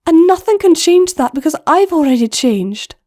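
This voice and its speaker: A woman's voice: extremely high pitch, sing-song, normal speed, voice pushed up. Brusque goblin big sister with a put-on lilt, voiced by a woman narrator. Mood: earnest. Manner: brusque, teasing, softens to whispers. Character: tough older-sister female goblin mare.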